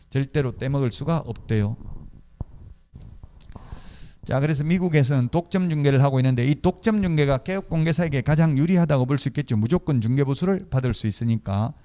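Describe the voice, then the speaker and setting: Lecturing man with a dark voice. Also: mid-range voice. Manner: conversational, asks the class questions and answers them himself; tells personal anecdotes from his own brokerage work. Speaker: real estate law lecturer. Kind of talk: classroom lecture.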